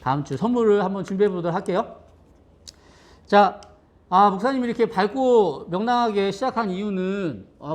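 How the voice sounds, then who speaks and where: Cheerful high-voiced male pastor. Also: a little mellow. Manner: playful, cheerful, calls out names and counts aloud. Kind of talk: lively children's worship greeting. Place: church sanctuary.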